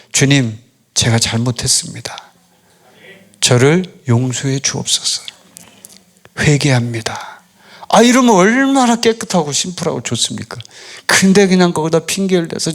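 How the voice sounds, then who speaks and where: A male pastor preaching a sermon, emphatic, repeating key words and dropping low and quiet at the ends of phrases. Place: church service broadcast online.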